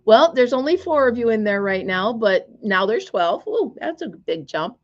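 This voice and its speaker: A woman hosting a casual crafting livestream from her store, chatty and greeting viewers by name, her voice still hoarse as it recovers. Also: on the high side, very animated, a little slow, lo-fi sound.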